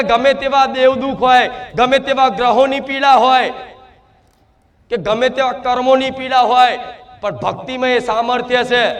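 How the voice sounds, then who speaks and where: A man, speaking loudly as a spirit medium in a trance sermon to devotees, full of repetition and rhetorical questions. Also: very high voice. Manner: loud, shouting, declamatory.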